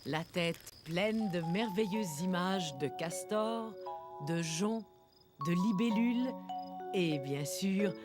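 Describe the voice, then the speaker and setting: A woman narrating a children's cartoon as a gentle, expressive storyteller. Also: on the low side, slow. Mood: gentle, storytelling. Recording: music behind the voice.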